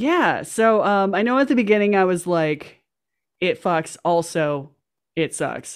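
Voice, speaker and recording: With lively intonation and a fairly slow pace, a woman speaks at a medium pitch in an unremarkable speaking voice, recorded very cleanly against a silent background. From Michigan, Flint. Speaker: comedian and former radio host. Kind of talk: casual chat.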